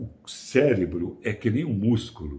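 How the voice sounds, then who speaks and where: Audible room echo surrounds a man whose voice shows vocal fry and very wide pitch swings. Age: 60s. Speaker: psychiatrist. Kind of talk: motivational talk. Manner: animated.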